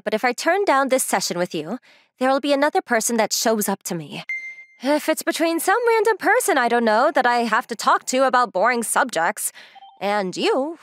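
A woman's voice: on the high side, no room sound. A woman voicing a proud, blunt young rich woman in a manga dub, self-assured, matter-of-fact and teasing. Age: young adult.

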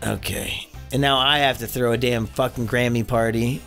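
A man's voice: mid-range voice, fairly even intonation, normal speed, fairly bright tone, soft background music. Wry casual man reading viewer questions. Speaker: co-host. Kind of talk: casual drunk gaming chat.

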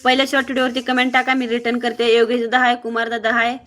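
A woman from Maharashtra talks casually on a live stream, her voice sitting a little on the high side. She moves quickly from one viewer to the next, greeting each by name and reading comments aloud. Her manner is blunt and outspoken. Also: monotone, a bit bright. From Maharashtra, near Mohol. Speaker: livestreamer.

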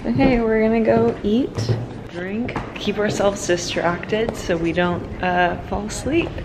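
A woman's voice: medium pitch, slow, noisy background. A young woman in her twenties chatting casually and playfully in a travel vlog, laughing often. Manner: giggly, playful. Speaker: vlogger. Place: hotel room and restaurant. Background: loud music.

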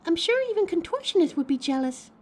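Very high-pitched, teasing lady thief played by a woman. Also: very animated, quick pace, a little mellow. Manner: playful banter. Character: teasing, wisecracking female thief planning a heist. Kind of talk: audio drama monologue.

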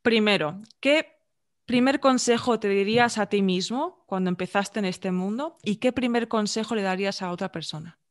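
A young woman with a Castilian Spanish accent hosting a podcast, chatting casually with lively interjections into a studio mic at home. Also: medium pitch. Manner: chatty, warm interjections, quick restarts. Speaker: podcast host. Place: home room, video call. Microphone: large studio mic on boom arm.

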